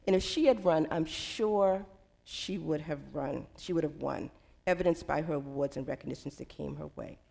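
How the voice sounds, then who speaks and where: A middle-aged woman giving prepared personal remarks as a panelist, speaking in a measured, deliberate way. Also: sits low, creaky, dark tone. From United States. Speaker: panelist, center director.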